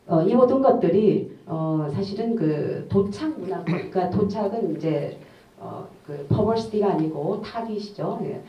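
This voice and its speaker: Formal woman discussant in echoey hall. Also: mid-range voice. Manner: measured, formal, frequent hesitant fillers. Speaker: conference discussant. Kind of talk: academic panel discussion. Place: conference hall. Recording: echoey hall, distant muffled mic.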